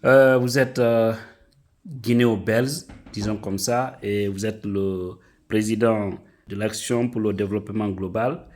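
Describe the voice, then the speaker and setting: A man's voice: fairly low pitch, fairly even intonation, measured pace. A male interviewer who asks polite questions with hesitant fillers.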